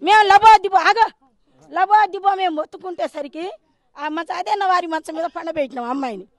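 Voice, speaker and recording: A woman's voice: very high-pitched, a little fast, no echo. A woman with a Telangana Telugu accent giving an emotional eyewitness account, repeating herself and acting out what others said. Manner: agitated, repetitive storytelling, acts out quoted speech. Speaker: villager recounting an incident.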